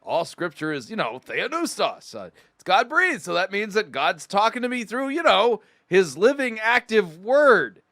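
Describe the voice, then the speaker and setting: A man's voice: high-pitched, sing-song, unhurried, hardly any pauses, bright, forceful tone, no echo, clean studio sound. A middle-aged man giving mocking, sarcastic commentary as a critic, often acting out mock quotes. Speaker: host of a sermon critique show. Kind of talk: mocking commentary on played sermon clips.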